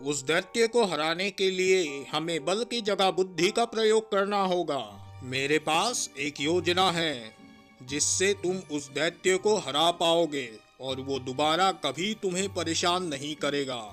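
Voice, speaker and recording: A man playing a wise, calm forest holy man in a cartoon, giving measured advice. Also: on the high side. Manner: measured, advising. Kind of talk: Hindi cartoon story acting.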